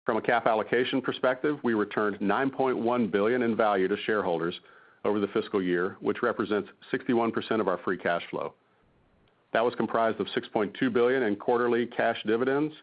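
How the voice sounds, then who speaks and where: A man in the role of a finance executive reads a prepared earnings report in a formal, measured manner over a muffled conference call line. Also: fairly low pitch. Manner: formal, measured reading of figures. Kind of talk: scripted earnings call presentation.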